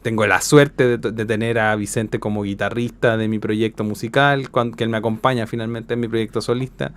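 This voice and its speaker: A man's voice: on the low side, steady tone, fairly quick. A man with a Chilean accent, a guest musician explaining his thoughts conversationally in a radio interview.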